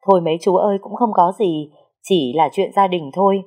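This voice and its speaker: A woman's voice: fairly low pitch, brisk, mellow, natural voice. Woman voicing a kind, indignant older neighbor. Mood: earnest, indignant. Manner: earnest, indignant, fatherly.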